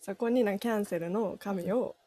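A woman's voice: medium pitch, fairly quick, dark tone, no room sound, studio quality. A woman in her twenties with a Kansai Japanese accent, chatting casually with friends as a co-host. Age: 20s. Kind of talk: casual chat among friends.

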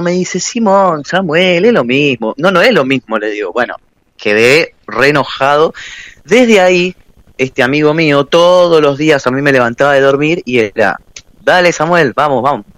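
A young man with a Rioplatense accent, a radio guest telling a lively personal story and acting out the other voices. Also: fairly high pitch, no room sound. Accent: Rioplatense Spanish. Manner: lively, laughing, quotes voices. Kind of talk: storytelling anecdote.

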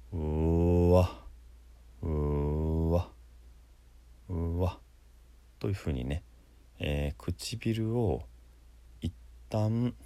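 A man giving a spoken pronunciation lesson, demonstrating each sound by repeating syllables, with frequent pauses. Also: low-pitched, vocal fry, mellow, breathy edge, dry recording. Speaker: pronunciation teacher.

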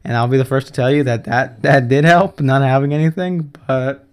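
Alone on his podcast, a man of about twenty rambles and swears, frequently laughing and correcting himself. He talks at a normal speed with a medium-pitched, steady, clear, and resonant voice.

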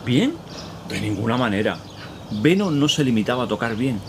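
A man playing a kindly, talkative park worker who speaks courteously and pauses to search for words. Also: mid-range voice, big pitch swings, background noise. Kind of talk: radio drama acting. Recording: outdoor park ambience with birds. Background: birds and outdoor ambience.

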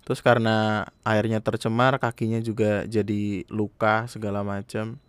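A man's voice: fairly low pitch, flat delivery, normal speed, clear, resonant tone, no echo. A young man, earnestly commenting in a casual monologue, speaking straight to his listeners. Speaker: podcast host.

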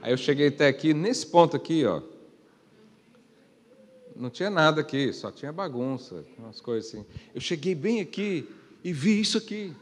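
A man preaching a sermon, firing rhetorical questions and swinging from quiet to loud. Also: on the high side, expressive, normal speed. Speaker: pastor. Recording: long reverb of a church hall.

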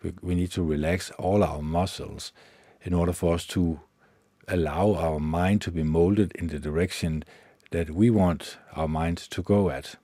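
A Danish-accented man hosting a solo meditation podcast, talking haltingly with many fillers and restarts. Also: deep voice, fairly even intonation, mellow, dry recording. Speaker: podcast host.

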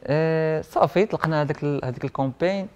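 A man's voice: on the high side, fast, darkish tone, smooth, lo-fi sound. A young man with a Moroccan Arabic accent telling his story casually, mixing in French words and quoting dialogue as he goes. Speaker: interview guest; printing and IT technician. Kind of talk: casual personal storytelling in conversation.

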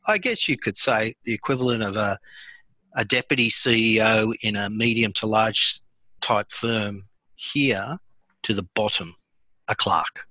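An Australian man in his fifties, born in India, telling his life story as a podcast guest in a relaxed way with many fillers and restarts. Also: lowish voice, unhurried, no room sound, low-quality recording. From born in India, raised in Sydney, Australia. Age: 50s. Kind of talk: conversational storytelling.

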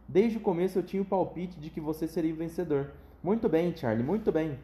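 A giddy, eccentric candy factory owner bursts with excitement, as a man puts him on while reading aloud. The voice sits a little higher than usual, with a mellow tone. It echoes in a roomy space. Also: fairly quick, lightly acted. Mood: excited. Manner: exclamatory, giddy.

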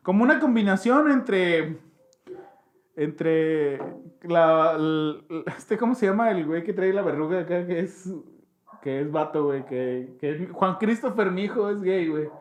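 A man's voice: high voice, lively intonation, a little slow. A young man with a Mexican accent tells a childhood story in casual, slangy chat, jumping into voices to mimic people.

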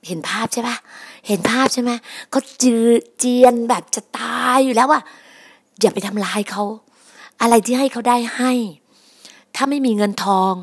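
A woman's voice: fairly high pitch, moderate pace, husky. A woman preaching a sermon on her podcast, emphatic and repetitive, often addressing her listeners as brothers and sisters.

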